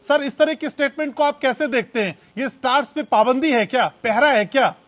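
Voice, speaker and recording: Male news anchor, very high pitch, combative interrupting questioner. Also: brisk. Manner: pressing, interrupting, repeats his challenge. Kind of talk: TV studio debate.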